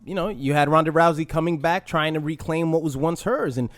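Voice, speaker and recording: A man's voice: on the high side, brisk, no room sound. Dry-miked man on a casual podcast. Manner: animated, opinionated, with mock impressions and self-mocking laughs. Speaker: podcast host.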